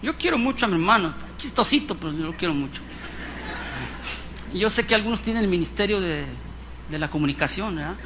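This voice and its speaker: A Mexican man in middle age delivers a sermon in a church, voicing little scenes as he goes. His voice sits high and bright. Faint background noise runs under the recording. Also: quick pace, pauses often. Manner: animated, acts out dialogues in voices. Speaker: preacher.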